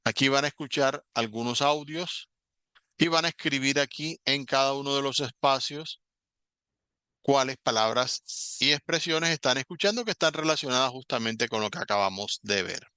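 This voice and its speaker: A man teaching an online English class, patiently explaining step by step and saying English words slowly as examples. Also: medium pitch, pushed and bright, smooth, no echo.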